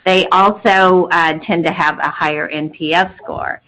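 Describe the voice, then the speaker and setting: A woman's voice: on the low side, steady tone, a little slow, a bit bright, low-quality recording. A woman speaking as a company executive, giving an explanatory update to investors on an earnings call. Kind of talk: explanatory business talk.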